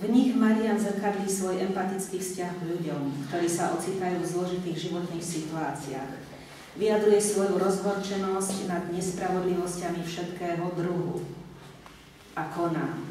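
A woman's fairly low voice at a moderate pace, with strong room echo and light background noise. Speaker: host's wife, reader. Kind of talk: reading aloud. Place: hall. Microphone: camera far.

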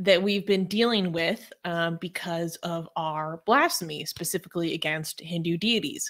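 Against a quiet background, a woman speaks at a moderate pace in a fairly low pitch with ordinary variation. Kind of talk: appeal for donations, explanation. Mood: earnest, serious. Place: home room.

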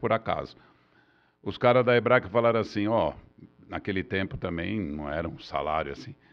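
A man with vocal fry talks at a moderate pace. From São Paulo, Brazil. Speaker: basketball coach and technical director; basketball coach guest. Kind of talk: interview. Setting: studio. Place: studio.

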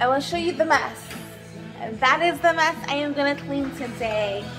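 A high-pitched woman's voice at a moderate pace, with music in the background. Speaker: home vlogger. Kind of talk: casual vlog chat. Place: kitchen. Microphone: phone near.

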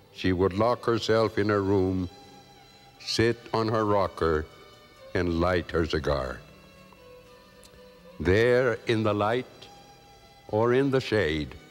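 A resonant man's voice, fairly low in pitch with ordinary variation, very slow in pace, over music in the background. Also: long, frequent pauses, very even loudness. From northern New Mexico. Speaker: author. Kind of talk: literary reading.

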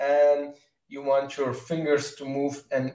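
Amid audible room echo and a quiet background, a man speaks at a very slow pace. He has a non-native accent and a medium pitch. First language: not English. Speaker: guitar teacher and live stream host. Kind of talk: casual interview chat on a live stream. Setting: live stream. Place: home room.

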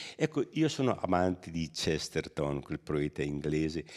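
A man speaks with a very deep, low pitch and a dark, mellow tone. He goes at a fairly slow pace against a quiet background. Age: 70s. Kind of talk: interview. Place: home room. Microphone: handheld.

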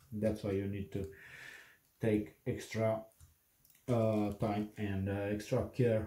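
In a dark, mellow, somewhat breathy tone with a non-native accent, the speaker goes at a very slow pace with monotone, flat intonation and long, frequent pauses amid audible room echo. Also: man, fairly low pitch for a man. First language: not English. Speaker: phone repair tutor. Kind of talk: tutorial. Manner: halting, many fillers. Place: home room. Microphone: phone near.

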